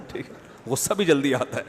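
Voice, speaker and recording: A man's voice: medium pitch, animated, a little hiss or hum. A man giving a humorous religious talk, telling stories with comic impressions and answering questions read out from the audience. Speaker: Islamic scholar answering questions. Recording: long hall reverb.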